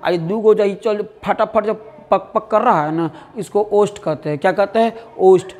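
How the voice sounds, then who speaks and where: His voice sits high with a darkish tone and moves at a moderate pace as this Bihari-accented man leads an exam-prep lesson. He keeps asking his students questions and repeating words to drill answers, calling them "dear".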